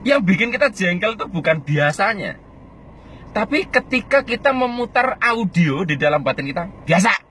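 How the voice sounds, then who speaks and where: A man teaching a self-development lesson, swinging his voice from high to low as he demonstrates. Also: normal speed, slight background noise. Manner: demonstrates by acting out quoted words loud and soft; lively shifts between high and low pitch. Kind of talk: spoken lesson to camera.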